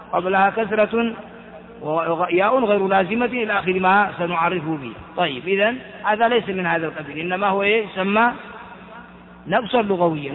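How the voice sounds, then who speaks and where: A man teaching a grammar lesson slowly and deliberately, putting questions to his class and answering them himself. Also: high voice. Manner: slow and deliberate, repeating key terms. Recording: tinny phone-like audio in a reverberant hall.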